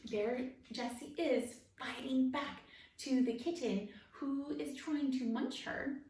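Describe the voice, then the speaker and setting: A woman's voice: high voice, fairly even intonation, slow, warm tone. A woman narrating a children's picture book expressively as a storytime reader. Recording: roomy echo, distant mic, faint noise.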